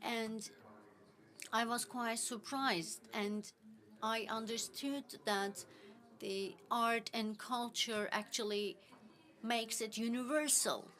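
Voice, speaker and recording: A woman giving live spoken interpretation into English for a panel, speaking in halting phrases with frequent restarts and fillers. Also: on the high side, steady tone, fairly bright tone.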